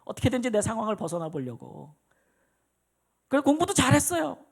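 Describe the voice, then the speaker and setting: A man's voice: very high voice, big pitch swings, a little fast, gravelly. A middle-aged male pastor from South Korea giving a personal testimony in a Sunday sermon, telling stories and acting out the voices in them. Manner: storytelling, acts out his mother's and his own voices. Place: church sanctuary.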